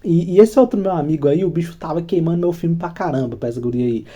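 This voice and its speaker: A man's voice: on the high side, fast talker, mellow. A Brazilian man telling a crude, rambling personal story in casual slang as the host of his channel. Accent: Brazilian Portuguese.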